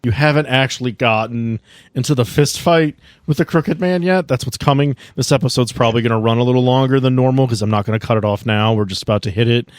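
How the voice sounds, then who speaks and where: A man's voice: mid-range voice, fast, no echo. Dry, close-miked male game master. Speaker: game master of an actual-play podcast. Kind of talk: casual tabletop game narration and rulings.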